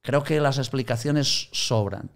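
A man speaks unhurriedly in a medium pitch, teaching on Christian mission through anecdotes. He tells them with animation, voicing the people he quotes.

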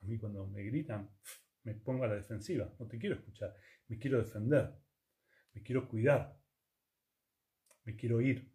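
A man, teaching yoga and conscious communication in a calm, reflective talk full of rhetorical questions. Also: mid-range voice, moderate pace, pauses often. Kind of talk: reflective spiritual talk to listeners.

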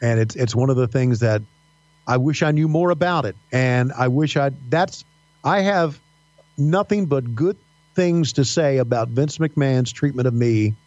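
A middle-aged man with a faint Southern American accent, telling stories as a podcast guest, halting with many fillers and restarts. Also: mid-range voice, darkish tone, no room sound. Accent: slight Southern American. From Virginia mountains. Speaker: podcast guest, wrestling announcer. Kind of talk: casual interview storytelling. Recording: dull dry podcast audio.

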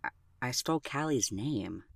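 A woman acting in an audio drama as an anxious, gentle twenty-year-old driver, hesitant and earnest, with stammered starts. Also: a bass voice, lively intonation, moderate pace, creaky, dry recording, full character voice. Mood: anxious, distressed.

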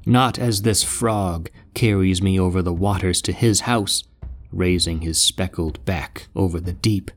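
A man's voice: low-pitched, a little slow. A man voicing a doomed male mouse in a storybook epic, speaking with solemn gravity. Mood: lamenting. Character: doomed male mouse, fearful then defiant.

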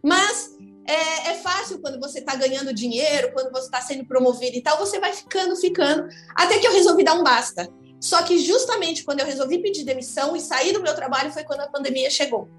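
Speaking with a Brazilian Portuguese accent, this thirtysomething woman from São Paulo is a guest in a candid interview, musing openly and honestly as she talks. She sounds high, brisk, and slightly bright, with faint music behind her and noticeable room echo.

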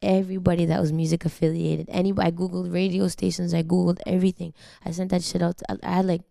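A young woman from Canada, Spanish her first language, tells her story as an interview guest with loose slang and frank swearing. Her voice sits low and mellow, with a gravelly fry and an even, flat delivery. The sound is close and dry. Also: fast talker, dry recording. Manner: candid, slangy and swearing freely. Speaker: guest singer. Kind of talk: casual interview talk.

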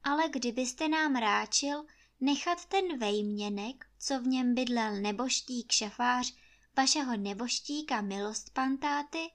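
A woman's voice: sits high, fairly bright tone, voice pushed up. A woman voicing a meek but cunning young peasant housemaid who pleads humbly and sweetly in a storybook reading. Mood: wheedling. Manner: humble, wheedling, sugary pleading.

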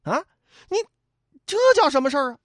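A male storyteller voicing a young inn waiter who complains in a shrill, whining way. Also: animated, brisk, a bit bright, dry recording, studio quality. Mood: indignant.

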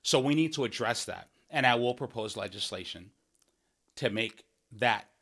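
A man's voice: medium pitch, expressive, moderate pace, a bit bright. A man in a mid-range voice delivers a podcast monologue about his campaign. His tone is earnest and emphatic, and he keeps circling back with rhetorical "right?" checks. Phrases restart as he builds each point. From Washington State. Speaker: political candidate hosting a podcast.

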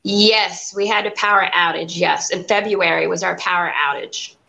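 Bright, gravelly woman in her forties. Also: on the low side, fairly even intonation, normal speed, low-quality recording. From Texas. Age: 40s. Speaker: podcast guest. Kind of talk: casual chat.

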